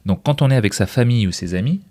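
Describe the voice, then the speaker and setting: A man's voice: mid-range voice, animated, very fast, darkish tone. A man speaking conversationally as an interview guest, telling anecdotes and giving advice, often voicing the quotes.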